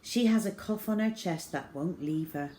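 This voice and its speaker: A woman reading a children's book aloud as an expressive storyteller, with measured, dramatic phrasing. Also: fairly low pitch. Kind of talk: expressive storytelling, scripted narration. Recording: clear background noise.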